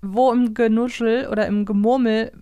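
A woman's voice: fairly high pitch, fairly even intonation, moderate pace, dark tone, smooth. A woman co-hosting a podcast, chatting casually about audio dramas. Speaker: podcast co-host.

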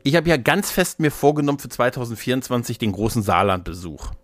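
A man's voice: medium pitch, big pitch swings, fast talker, no room sound. A man co-hosts a podcast in a loose, conversational style. His voice sits in an average register and he talks in a rambling, joking manner. The sound is dry, with very little room in it. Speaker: podcast co-host. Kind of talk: casual podcast chat.

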